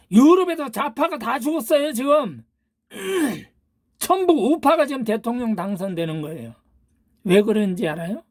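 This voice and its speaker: A woman's voice: on the high side, darkish tone, dry recording, clean studio sound. An older woman giving a political monologue as a channel host, ranting with rhetorical questions and insults.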